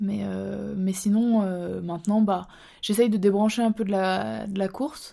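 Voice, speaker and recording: A woman talks fairly slowly. Her recording is very clean, and the background is silent. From French Alps, Savoie. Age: 20s. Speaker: alpine ski racer. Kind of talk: casual interview. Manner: calm, composed; hesitant, many fillers.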